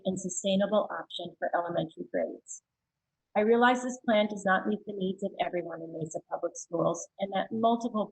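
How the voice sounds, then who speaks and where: A woman reading written public comments aloud at a school board meeting, steady and plain, with a few hesitant asides. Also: mid-range voice, husky, low-quality recording.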